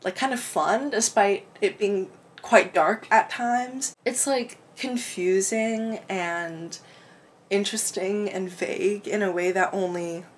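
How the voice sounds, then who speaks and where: With a clogged-up throat, a woman who vlogs about books talks slowly in a medium-pitched voice, giving a casual review chat from home. She rambles, laughs and swears freely, with her window open and a slight hiss or hum present.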